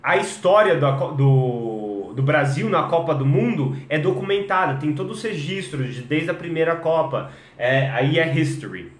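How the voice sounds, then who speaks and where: Professor brasileiro enérgico, sala com eco. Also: male voice, on the high side, echoey room. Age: young adult. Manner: energetic, code-switching, drawn-out demo words. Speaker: English teacher. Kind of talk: live-streamed English lesson.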